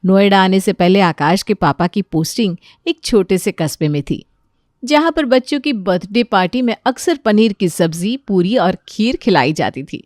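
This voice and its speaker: A woman narrating a children's bedtime story, calm and plain. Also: mid-range voice, no room sound, studio quality.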